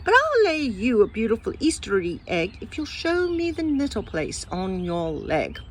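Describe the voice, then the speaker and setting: A woman reading a storybook poem aloud, voicing a fussy, busy little black hen in a brisk, matter-of-fact way. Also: medium pitch, huge pitch swings, a little hiss or hum.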